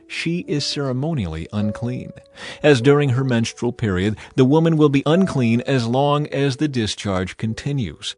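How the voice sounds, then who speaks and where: Guy reading the bible like an audio drama, solemn n measured, pitch goes up and down a lot, music behind him. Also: darkish tone. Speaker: scripture narrator.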